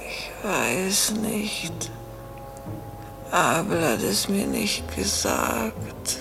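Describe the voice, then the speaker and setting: An actress playing a haunted, guilt-ridden innkeeper's wife in a radio drama, terrified and pleading in halting fragments. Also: female voice, on the low side, sing-song, vocal fry, whispered, music in the background, heavily acted. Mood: horrified, anguished. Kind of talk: German radio drama acting.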